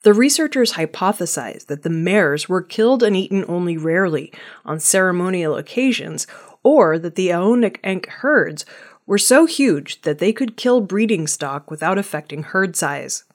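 A woman reading archaeology news headlines and stories in a measured, scripted newsreading style. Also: fairly low pitch, animated. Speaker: news reader.

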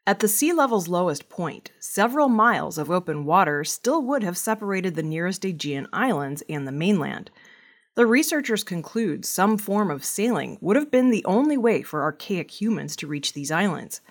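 A woman reading a scripted archaeology news bulletin with a measured, even delivery. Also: on the low side. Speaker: news reader.

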